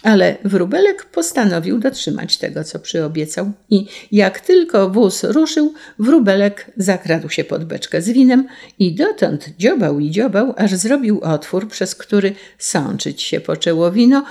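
A woman narrating a fairy tale in a slow, measured storybook reading. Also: medium pitch, very animated, gravelly, a little mellow.

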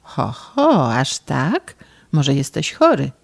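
A woman's voice: very deep voice, wildly swooping pitch, slow, creaky, no echo, pitched below the performer's own voice, exaggerated voice. A woman voicing an elderly bald scholar uncle who talks in a coaxing, bemused way in an audiobook reading.

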